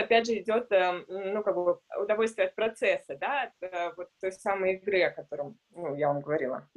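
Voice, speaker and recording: A woman guest in an interview talks through her ideas slowly and reflectively. She pauses often and fills the gaps with soft fillers. Her voice sits at an ordinary middle pitch. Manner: thoughtful, many fillers and hedging pauses. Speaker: founder of a PR agency, guest. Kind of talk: casual interview answers.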